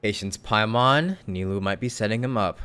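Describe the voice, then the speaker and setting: A man's voice: on the low side, moderate pace, sharp tone, clear, resonant tone. A male streamer giving playful, teasing live commentary over a game, full of slangy asides.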